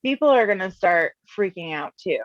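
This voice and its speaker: A woman comedian hosting an interview, enthusiastic and quick to laugh. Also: medium pitch, expressive, highs cut off, slight background noise. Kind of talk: casual interview chat.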